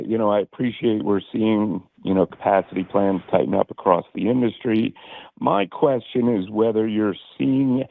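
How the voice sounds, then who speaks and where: Gravelly low male analyst over phone. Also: no room sound. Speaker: financial analyst asking questions. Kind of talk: formal earnings call questioning. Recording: dry, narrow phone-line audio.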